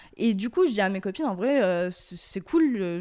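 A woman with a medium pitch talks fairly fast. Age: 20s. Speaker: community manager telling her love story. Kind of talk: casual storytelling interview. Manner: hesitant, many fillers.

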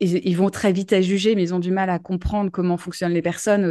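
A woman's medium-pitched, dark, mellow voice at a very fast pace. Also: quiet background. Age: 40s. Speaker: business owner. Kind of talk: interview. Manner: halting.

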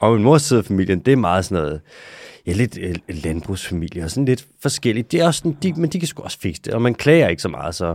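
A man talks at a very fast pace, fairly low in pitch with very wide pitch swings. The recording is very clean, with a silent background. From Denmark, North Zealand (Hillerød area). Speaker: podcast co-host. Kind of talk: casual chat. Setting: studio.

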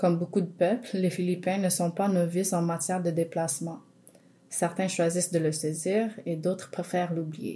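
A woman's fairly low, somewhat breathy voice, dark and mellow in tone, with monotone, flat intonation. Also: moderate pace. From Montreal (Côte-des-Neiges), Filipino family. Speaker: podcast co-host. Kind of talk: scripted podcast dialogue.

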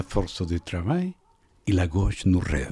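A man talks at a fairly slow pace with lively intonation and a somewhat breathy sound, recorded very cleanly against a silent background with a dry, close sound and no echo. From El Salvador. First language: Spanish (speaking French). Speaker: theatre teacher. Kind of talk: casual interview.

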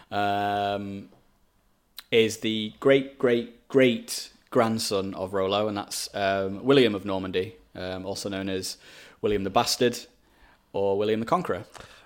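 A man with a Yorkshire accent, fairly low pitch, fairly slow pace and fairly even intonation on a very clean recording with a silent background. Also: long, frequent pauses. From Yorkshire, northern England. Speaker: historian. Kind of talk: casual chat about history.

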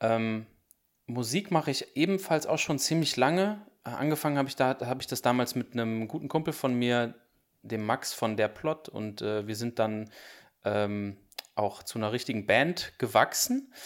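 Using an ordinary speaking voice, a man of medium pitch speaks with lively intonation at a moderate pace on a very clean recording with a silent background. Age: 30s. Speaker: musician and author. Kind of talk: casual chat.

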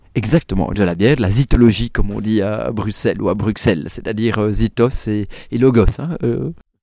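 A man speaks with vocal fry and a dark, mellow tone on a very clean recording with a silent background. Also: fairly low pitch for a man, ordinary pitch variation, moderate pace. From Belgium, Brussels (born in Milan). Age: 40s. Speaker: sommelier and wine educator. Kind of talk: interview.

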